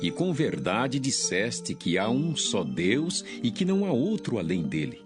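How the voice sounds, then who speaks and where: A Brazilian man playing a solemn, thoughtful scribe with a weighty manner in a dramatized audio Bible. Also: lowish voice.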